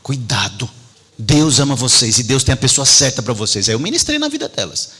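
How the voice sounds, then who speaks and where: A pastor from Brazil preaches with a bright, forceful voice that rises sharply for emphasis and falls to a near hush. His words ring out with a long church-hall reverb. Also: mid-range voice, brisk, husky. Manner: lively, emphatic preaching with sudden drops to a hush. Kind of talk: sermon.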